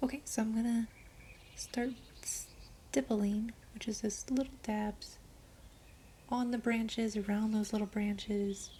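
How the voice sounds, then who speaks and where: A woman speaks fairly slowly in a fairly high, somewhat breathy voice with a dark, mellow tone and fairly even intonation. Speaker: art tutorial youtuber. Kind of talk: tutorial.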